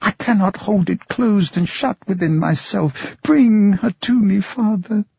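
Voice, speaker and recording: Tearful young blind girl, high and breathy, put on by a male reader, muffled dry recording. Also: warm tone, dry recording, exaggerated voice. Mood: pleading. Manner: trembling, pleading, high and slow.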